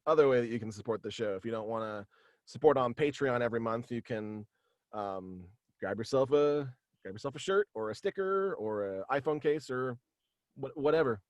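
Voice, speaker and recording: Casting: young adult male, mid pitch, dry close sound, halting casual podcast guest who rambles. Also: dry recording. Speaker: guest, voice actor and podcast creator. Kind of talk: casual interview chat. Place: small room at home, video call.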